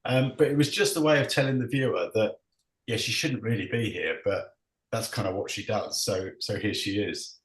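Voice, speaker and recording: A man's voice: on the low side, normal speed. A man chairing an online panel discussion, stumbling over his words with many repeats and frequent laughter, heard over a video call. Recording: roomy echo.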